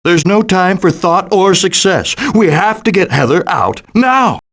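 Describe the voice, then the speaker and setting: Casting: melodramatic possum dad for animated game. Pompous thespian delivery, raised pitch, highly animated. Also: male voice, a little slow, exaggerated voice. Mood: urgent, excited. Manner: theatrical, pompous, declamatory. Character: melodramatic, hammy male possum, doting middle-aged father. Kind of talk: animated video game voice acting.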